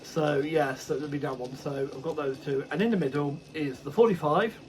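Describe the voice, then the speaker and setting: A man's voice: a little high, moderate pace, slight background noise, poor audio. A man casually vlogging about his model railway hobby, rambling and correcting himself with many ums. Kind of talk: casual unboxing chat.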